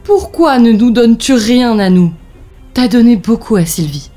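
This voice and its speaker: A jealous, demanding cartoon sister-in-law , acted by a woman, with a mid-pitched, dark-toned voice. Her delivery is emphatic and dramatic, over light music. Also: animated, moderate pace, natural voice. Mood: demanding, threatening. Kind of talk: children's fairy tale cartoon dialogue.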